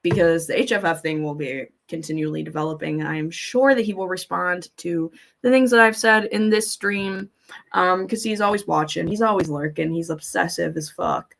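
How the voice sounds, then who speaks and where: A woman's voice: on the low side, normal speed, creaky. Blunt woman chatting on a livestream. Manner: informal, blunt, swears freely; rambling, thinking aloud. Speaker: live streamer, host. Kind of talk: casual livestream chat, commentary, reading viewer comments aloud.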